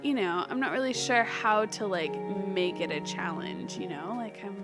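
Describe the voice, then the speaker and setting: A woman giving casual, chatty gaming commentary, giggly and excitable, often talking to herself as she plays. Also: mid-range voice, moderate pace, music in the background. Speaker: gaming video host.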